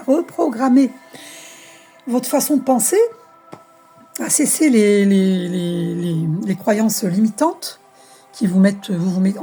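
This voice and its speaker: Rambling woman with a dark, husky voice. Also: fairly high pitch. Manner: rambling, searching for words, frequent fillers. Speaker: spiritual channel host. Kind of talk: casual spiritual monologue, card reading.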